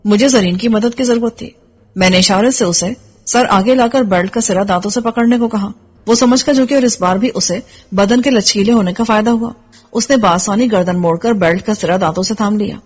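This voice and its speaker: A woman reading an action novel aloud as a first-person narration, in a steady, breathy storytelling voice. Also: medium pitch.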